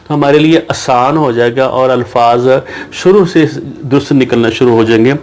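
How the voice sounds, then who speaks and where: Slow-chanting male Quran teacher. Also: medium pitch, gravelly, a little mellow. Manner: slow drawn-out syllable recitation between quick explanations. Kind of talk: Urdu Qaida lesson, spelling out syllables.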